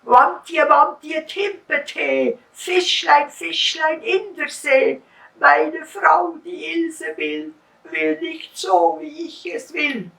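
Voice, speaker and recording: A timid, bashful poor fisherman calls out to the sea in a high, singsong chant, as a Swiss German woman storyteller puts him on. His voice is raised and echoes in a roomy space, heard from a little distance. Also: slow pace, gravelly, pushed and bright, heavily acted. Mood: pleading chant.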